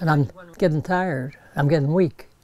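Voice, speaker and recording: Moderate pace and ordinary pitch variation in an American accent, with noticeable background noise. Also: man. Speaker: Korean War veteran. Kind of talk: interview testimony.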